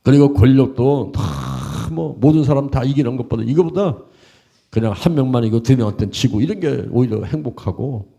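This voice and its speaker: A middle-aged male pastor preaching a sermon in a folksy, animated way, acting out little dialogues. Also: mid-range voice, brisk, creaky, slightly rough.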